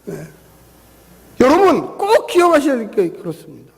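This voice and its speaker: A man's voice: very high-pitched, moderate pace, gravelly. A middle-aged man, a pastor, preaching a sermon in a church sanctuary and calling out to the congregation. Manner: animated, calls out to the congregation. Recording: long church hall reverb.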